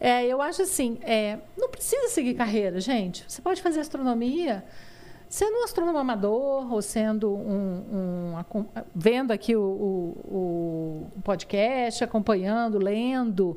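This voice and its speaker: An ordinary speaking voice from a woman, fairly high in pitch, with lively intonation at a fairly slow pace. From Brazil. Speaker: astrophysicist and professor. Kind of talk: live interview.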